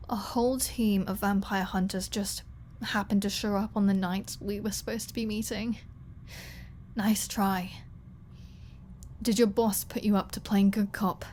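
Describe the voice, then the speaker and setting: Casting: female actor as flirty, defiant captive vampire woman for ASMR roleplay. Unhurried, mocking drawl, mid-range pitch, some background noise. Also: a little mellow, lightly acted. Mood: wry, bitter. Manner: teasing, mocking, drawling delivery.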